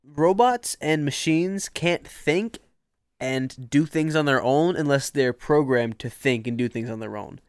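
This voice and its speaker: Speaking at a fairly slow pace with an American accent, a man has an ordinary speaking voice, a fairly high pitch and lively intonation, in a dry, close sound with no echo. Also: very clean recording, silent background. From Philadelphia, US. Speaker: singer. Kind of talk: casual chat.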